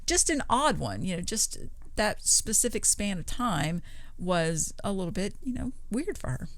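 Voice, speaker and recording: A woman's voice: medium pitch, very animated, moderate pace, no echo. A woman co-hosting a podcast, casually retelling paranormal stories in a conversational, chuckle-prone way. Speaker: podcast co-host.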